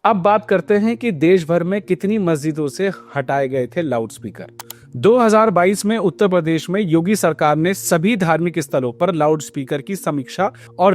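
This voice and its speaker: A man's voice: sits high, a little mellow. A man narrating a scripted news report as a reporter, explaining and posing pointed questions. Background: background music.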